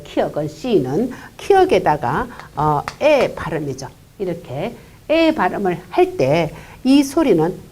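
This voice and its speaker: A woman teaching English pronunciation in a lecture, explaining unhurriedly with many "uh" fillers and quietly voicing single consonant sounds. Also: on the low side, slight background noise. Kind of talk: classroom-style pronunciation lecture.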